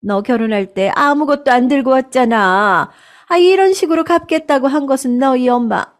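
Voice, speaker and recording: Lady reader doing snooty sneering mother-in-law, high and sharp, storybook drama. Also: normal speed, lightly acted. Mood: scornful. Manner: sneering, defensive. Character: haughty scornful middle-aged mother-in-law.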